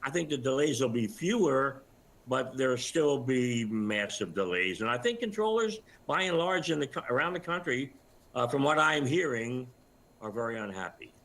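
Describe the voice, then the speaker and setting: Older man, measured and halting. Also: mid-range voice, expressive, a bit bright, poor audio. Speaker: retired air traffic controller, interview guest. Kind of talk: live news interview commentary.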